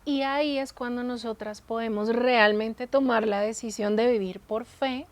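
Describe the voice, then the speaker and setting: A woman's voice: fairly high pitch, fairly even intonation, moderate pace. A woman co-hosting a Christian talk show, explaining ideas through everyday examples and rhetorical questions. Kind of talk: faith-based casual conversation.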